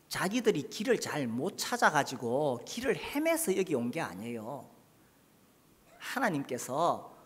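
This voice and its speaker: A man's voice: slightly rough, long reverb tail. A man preaching a sermon as pastor, asking his congregation questions as he goes. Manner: lively, rises and falls in pitch, asks the congregation questions.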